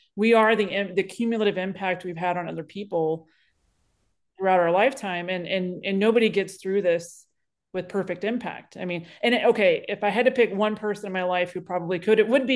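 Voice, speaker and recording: In an ordinary speaking voice, a woman talks at a fairly quick pace and medium pitch with fairly even intonation against a quiet background. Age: 40s. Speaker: podcast host. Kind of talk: casual interview chat.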